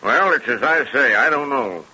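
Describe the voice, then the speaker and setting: A man's voice: medium pitch, lively intonation, sharp tone, slightly rough, dull audio, heavily acted. A man playing a folksy, commanding small-town sheriff in a 1930s radio drama. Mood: confiding, firm. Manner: folksy, commanding, drawn-out warnings. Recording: scratchy, band-limited 1930s radio recording.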